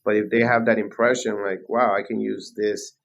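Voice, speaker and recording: A man hosting a podcast interview, speaking in a quick, emphatic, enthusiastic way. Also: on the low side, level tone, gravelly. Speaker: podcast host. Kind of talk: casual interview chat.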